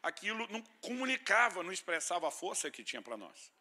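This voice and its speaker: High-pitched and fast, his voice pushed and bright with big swings in pitch, a pastor preaches a sermon in Brazilian Portuguese-accented speech. Teaching alternates with humorous personal stories, told with playful storytelling flair.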